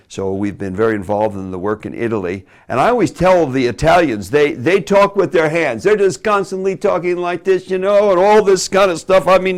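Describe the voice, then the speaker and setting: A man giving a teaching lecture on preaching delivery, animated and demonstrative, dropping from loud emphasis to hushed asides. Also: a little high. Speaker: Bible teacher.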